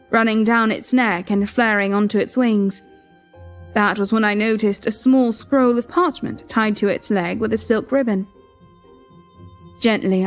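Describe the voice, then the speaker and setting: Higher-pitched woman narrating first-person. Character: queen narrating her own story.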